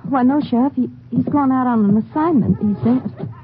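A woman's voice: sits high, normal speed, lightly acted. An actress playing an uneasy, apologetic young wife and mother, polite and hesitant, in a 1950s radio drama. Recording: tinny, faintly noisy 1950s radio recording.

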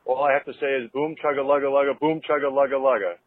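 A man from the United States leaves a listener voicemail. His mid-pitched voice comes through a narrow, tinny phone line. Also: steady tone, fast. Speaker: listener calling in. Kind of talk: voicemail message.

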